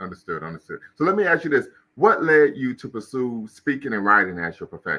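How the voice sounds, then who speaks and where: In an American accent, a man with a fairly high pitch and a bright, sharp tone talks at a fairly quick pace. His pitch swings very widely, and his loudness varies greatly. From US Midwest, Dayton Ohio. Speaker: podcast host. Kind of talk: interview. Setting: livestream.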